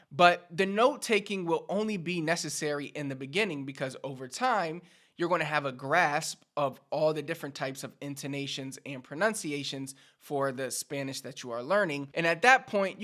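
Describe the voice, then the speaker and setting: A man's voice: on the high side, pushed and bright. A Puerto Rican man with a Puerto Rican accent teaching Spanish to viewers in an upbeat, instructive way. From Puerto Rico. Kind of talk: direct-to-camera language lesson.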